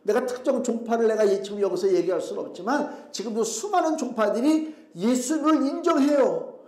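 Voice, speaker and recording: A man's voice: very high-pitched, lively intonation, a little fast, darkish tone. A middle-aged male pastor preaching a sermon in a conversational, emphatic way, full of rhetorical questions. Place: church sanctuary. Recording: echoey church hall.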